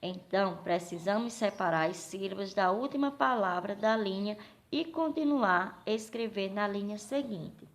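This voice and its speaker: A woman teacher with a Brazilian accent gives a recorded lesson for young children, slowly asking questions and answering them herself. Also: mid-range voice, lively intonation. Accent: Brazilian Portuguese. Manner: slow, patient, asks questions and answers them.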